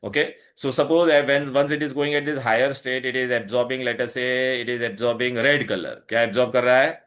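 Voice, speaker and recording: Quick-talking South Asian man tutoring. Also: mid-range voice, fairly even intonation, fairly bright tone. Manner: repetitive, quizzing, checking with questions. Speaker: chemistry tutor. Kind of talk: interactive one-on-one lesson, mixing English and Hindi.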